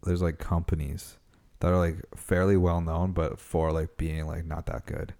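Deep gravelly young man. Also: little pitch movement, normal speed, dark tone. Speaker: podcast co-host, band member. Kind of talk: casual chat.

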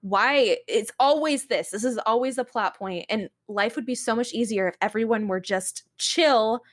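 Young woman chatting casually, rambling and animated. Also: a little high, normal speed. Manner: animated, rambling, frequent "like", exasperated storytelling. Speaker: podcast co-host. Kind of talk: casual chat about games and anime.

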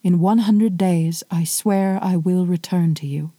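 A woman voicing a proud, stubborn young king who speaks firmly, slowly and in a low, dark, close voice in a storytelling podcast. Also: no room sound. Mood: defiant. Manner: firm, declaiming.

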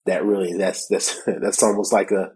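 A man's voice: sits low, level tone, moderate pace, a little mellow, breathy edge. A man co-hosting a tech podcast in casual chat, a bit congested from a cold, who laughs often and acts out both sides of conversations. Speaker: podcast co-host.

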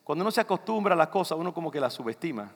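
A man's voice: a little high, sing-song, racing. An older man from the Dominican Republic with a Dominican accent, preaching a loose, conversational sermon that keeps turning to the congregation. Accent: Dominican Spanish. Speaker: pastor. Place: church sanctuary. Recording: long reverb of a church hall.

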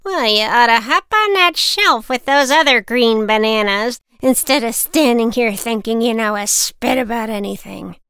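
A woman voicing a fierce, sharp-tongued old woman who scolds children in a cackling, drawn-out way. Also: a little high, clear, resonant tone, no room sound, clean studio sound, voice pushed up. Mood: scolding.

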